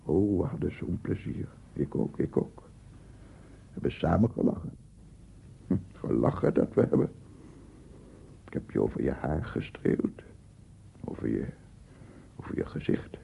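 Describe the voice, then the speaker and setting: Through a thin, phone-like old radio recording comes an obsessive, aggrieved male amateur inventor. His voice is low and very husky, cracking into gravel. He mutters haltingly to himself, then swells into grandiose declamation, as in a radio play monologue. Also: very animated, full character voice. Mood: wistful muttering. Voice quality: husky, gravelly, often dropping to breathy murmur.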